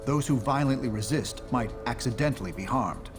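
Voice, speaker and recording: A man voices a pragmatic superhero leader from a video game. The voice is medium in pitch, controlled and matter-of-fact, like an official briefing. Music runs clearly behind it. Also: fairly quick, close to an everyday voice. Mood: measured. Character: measured, pragmatic genius male superhero leader. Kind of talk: video game cutscene dialogue.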